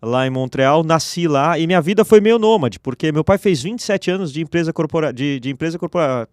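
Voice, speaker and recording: A man, a radio guest telling his life story in a relaxed, personal way. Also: fairly high pitch, brisk, no room sound, clean studio sound. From Brazil. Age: 40s. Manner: relaxed, personal, with restarts and fillers. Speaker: guest, entrepreneur. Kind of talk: interview storytelling. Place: radio studio.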